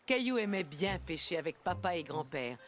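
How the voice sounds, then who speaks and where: A woman playing the gentle storyteller of a children's cartoon, reading scripted narration. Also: lowish voice, very animated, normal speed, music in the background.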